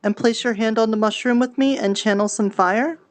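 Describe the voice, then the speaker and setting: Girl as eager helpful fantasy companion, kinda high voice, short simple phrases, online rp. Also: fairly quick, natural voice. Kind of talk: improvised virtual-world roleplay.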